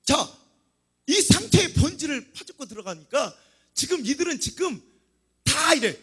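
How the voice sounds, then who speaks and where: A middle-aged male pastor preaching a sermon dramatically, acting out complaints in voices and rising to shouts. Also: very high voice, very animated, moderate pace.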